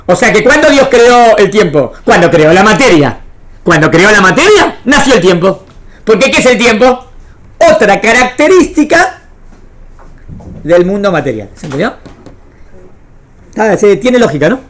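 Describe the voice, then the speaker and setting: With a medium-pitched, sing-song voice at a moderate pace and long pauses, a woman teaches religion to a small class amid slight background noise. Her accent is Argentine Spanish, and she repeats phrases and keeps checking whether everyone understands.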